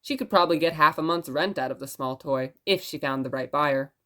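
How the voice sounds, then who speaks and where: A woman playing a presenter who reads stories aloud in expressive narration. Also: low voice, brisk. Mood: measured, tender. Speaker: narrator and host of the show.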